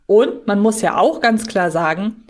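A woman's voice: medium pitch, unhurried, a little mellow. A woman co-hosting a podcast, explaining things thoughtfully in a casual discussion. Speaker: podcast co-host.

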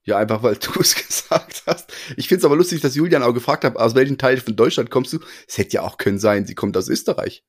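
A man co-hosts a relaxed podcast interview. His voice sits at an ordinary middle pitch, and his manner is playful and full of jokes. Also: husky. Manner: playful, joking, quick to laugh. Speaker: podcast co-host. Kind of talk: casual interview chat.

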